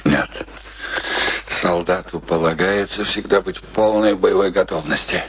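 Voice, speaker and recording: An actor in a radio play playing an ailing, stubborn, embittered old soldier, gruff and scornful, afraid of death. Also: male voice, low-pitched, a little slow, a bit bright, full character voice. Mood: weary, fearful. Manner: gruff, scornful, theatrical outbursts.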